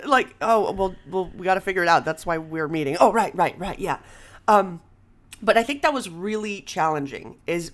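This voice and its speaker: A woman hosting a casual podcast conversation, expressive and exclamatory, slipping Spanish phrases into her English. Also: fairly low pitch. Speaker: podcast host and comedy writer.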